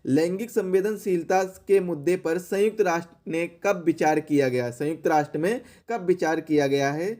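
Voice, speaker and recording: High-pitched male exam coaching teacher. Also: normal speed, few pauses, darkish tone. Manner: didactic, repeats questions and answers for emphasis. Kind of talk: exam question-and-answer lesson.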